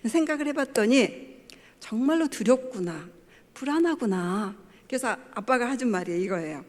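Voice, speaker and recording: A woman's voice: a little high, expressive, normal speed, a little mellow. A middle-aged woman, a pastor's wife, gives a family talk at church, telling personal stories and acting out what her family said. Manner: storytelling, acting out family quotes. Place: church sanctuary. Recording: long church hall reverb.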